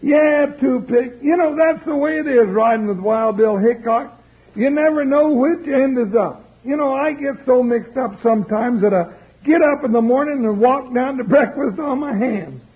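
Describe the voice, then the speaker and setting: A man playing a bumbling, folksy cowboy sidekick with a high, squeaky drawl, in 1950s radio western acting. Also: moderate pace, slightly rough, heavily acted. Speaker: sidekick Jingles. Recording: dull old radio transcription with hiss.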